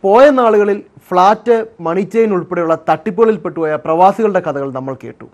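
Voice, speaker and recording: Guy presenting an investigative news story, scripted read, really high voice for a man. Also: a little fast, a little mellow, lo-fi sound, faint music behind.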